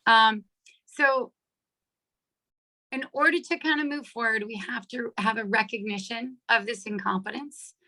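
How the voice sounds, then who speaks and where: A middle-aged woman with a hoarse voice leading an online coaching workshop on a video call, chatty and checking in with her listeners often. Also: a little high, measured pace, pauses often, bright, forceful tone, rough recording. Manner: chatty, checks in with "right?" and "okay?". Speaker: workshop leader. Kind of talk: live online coaching talk.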